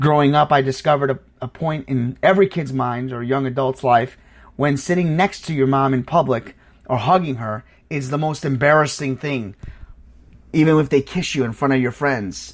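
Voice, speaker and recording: At a moderate pace, a man with a fairly high pitch and ordinary pitch variation speaks in a normal speaking voice. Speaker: inspirational podcast host. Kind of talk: inspirational podcast talk.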